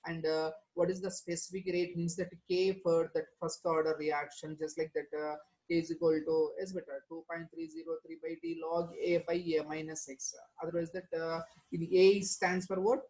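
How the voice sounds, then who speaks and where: A woman's voice: sits low, level tone, moderate pace, a little mellow, low-quality recording. South Asian woman teaching step by step. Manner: addresses students with prompting questions and tag words. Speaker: chemistry teacher. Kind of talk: instructional lesson, explaining formulas step by step.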